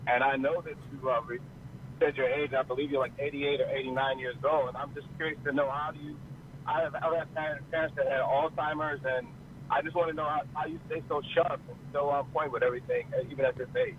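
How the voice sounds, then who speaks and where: A male caller on a clipped phone line, asking a radio guest a question in a quick, eager, admiring way. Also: fairly high pitch, animated. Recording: tinny phone line with faint noise.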